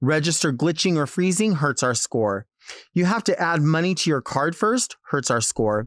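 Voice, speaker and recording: A fairly quick pace over a quiet background. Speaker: drag queen podcast host. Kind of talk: podcast monologue. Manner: extemporaneous, opinionated.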